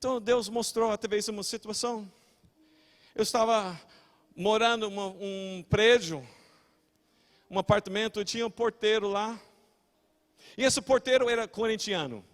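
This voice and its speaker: An older male pastor preaches in a fairly high voice. He shouts his main points with force, then drops into relaxed, rambling anecdotes, stumbling and correcting himself as he goes. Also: moderate pace, pauses often, in a large hall. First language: English. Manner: fiery preaching with shouted peaks, chatty storytelling and self-corrections. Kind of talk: sermon.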